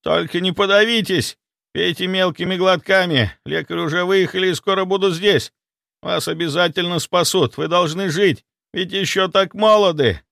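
A man's voice: sits high, normal speed, gravelly, a bit bright, dry recording, clean studio sound, pitched above the performer's own voice. A man doing a panicked old butler. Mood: anxious urging. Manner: frantic, pleading. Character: panicked old male butler, devoted servant.

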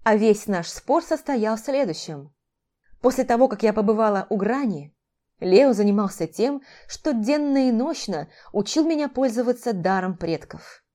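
A woman narrating a fantasy audiobook in a measured, dramatic reading. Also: a little high, expressive, dark tone.

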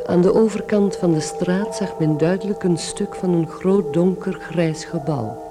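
A man's voice: high-pitched, measured pace. A man reading scripted literary narration in a radio play, with music playing behind.

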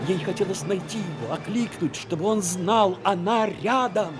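A man's voice: high voice, moderate pace. A man reading scripted literary narration for a dramatic audio play. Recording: music under the voice.

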